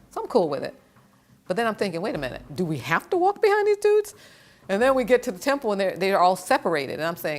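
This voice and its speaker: A woman speaking at a very fast pace in an animated tone, over noticeable background noise. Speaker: public speaker sharing life story. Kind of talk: personal testimony talk.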